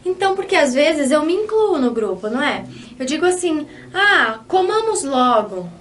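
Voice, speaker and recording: High-voiced Brazilian woman teaching Spanish. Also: sing-song, brisk, far from the mic, slight background noise. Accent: Brazilian Portuguese. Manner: patient, checks in often with the class. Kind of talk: online language lesson.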